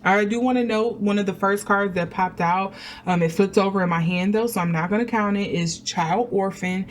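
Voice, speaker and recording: A woman talks her way through a tarot reading in a loose, chatty way, circling back on herself with ums and restarts. Her voice sits at an ordinary middle pitch. A faint hiss of noise runs under the recording. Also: normal speed. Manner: chatty and meandering, full of fillers and restarts. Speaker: tarot reader. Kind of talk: casual tarot reading to camera.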